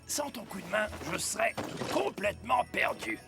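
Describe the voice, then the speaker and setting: Jolly old Santa Claus, gravelly. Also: male voice, animated, moderate pace. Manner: booming ho-ho laugh, gravelly. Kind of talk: cartoon voice acting. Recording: music behind.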